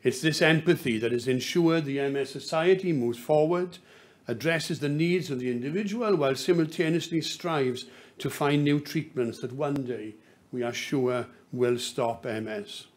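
A man's voice: on the high side, moderate pace. An older man with a Welsh accent, from Wales, giving a courteous formal vote of thanks. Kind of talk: formal speech. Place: meeting hall.

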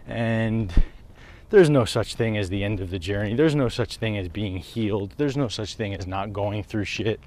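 His voice sits on the low side with a darkish tone, moving at normal speed. The man, a wellness vlogger, wanders a residential street with the camera at arm's length, chatting casually, swearing freely and laughing at himself.

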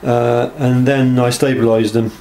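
A man's voice: medium pitch, level tone, unhurried, dark tone. A man giving a casual, unscripted workshop show-and-tell, speaking hesitantly and with understatement. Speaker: knife maker presenting work. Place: small block-walled workshop. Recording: camera audio with clear background noise.

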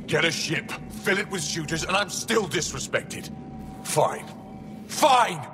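A man's voice: a little high, expressive, slow, big-room sound, music in the background. A man voicing a furious, aggrieved alien pirate boss in a video game, bitter and menacing. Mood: enraged. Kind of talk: video game villain acting.

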